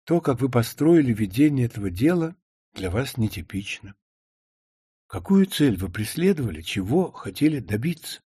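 A man reading the part of a weary middle-aged judge who speaks with measured, quiet authority. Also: medium pitch, sing-song, slightly rough, no echo, studio quality. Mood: firm.

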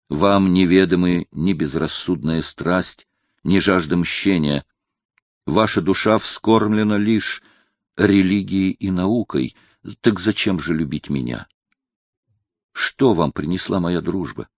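A man's voice: low voice, gravelly, dry recording, full character voice. A man voicing a proud, tormented young nobleman plotting in secret, in an intense, declamatory audiobook reading.

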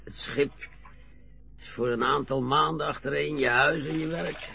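An older man with a Dutch accent, playing a retired merchant navy captain in a radio play, reminiscing slowly with a husky, chuckling voice. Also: fairly high pitch, fairly even intonation, pushed and bright, lo-fi sound, full character voice. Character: old retired sea captain, modest and a bit vain.

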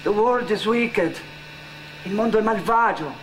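A man voicing a drunken, desperate young African migrant mother in a theatre monologue, with slow, pleading exclamations. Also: sits high, a bit bright, slight background noise, voice pushed up, poor audio. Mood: frightened despair. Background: music.

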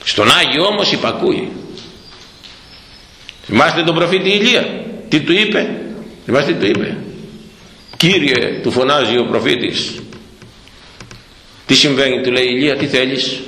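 A man delivers a sermon in an emphatic, repeating preacher's cadence, his pitch swinging widely from line to line. His slightly hoarse voice has a bright, forceful edge. The sound rings with long reverb, as if from a large hall. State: hoarse throat. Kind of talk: sermon on scripture.

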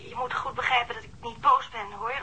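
An actress playing a lonely, anxious wife in a radio drama, hesitant, apologetic, tender and pleading. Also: female voice, fairly high pitch, steady tone, quick pace, bright, forceful tone, slight background noise. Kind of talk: naturalistic radio drama acting.

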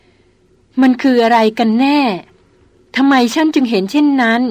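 A woman reading aloud puts on a frightened young woman in a storybook reading, her voice pushed high and strained. She pleads and insists, sounding shaken. The recording is close and dry. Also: steady tone, measured pace, a little mellow, dry recording. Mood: pleading. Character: terrified young woman doctor seeing ghosts.

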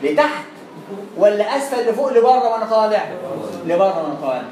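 A man's voice: sits high, very animated, fast talker, crowd noise. A man with an Egyptian Arabic accent teaching Quran recitation in a chatty way, repeating words and sounding out letters. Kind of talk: explanatory lesson. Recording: roomy echo, faint background noise.

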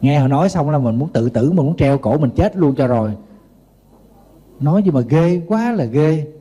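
Husky, dark-voiced Southern Vietnamese monk. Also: male voice, fairly high pitch, moderate pace. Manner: lively anecdotal storytelling with humor. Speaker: Buddhist monk preacher. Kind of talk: sermon.

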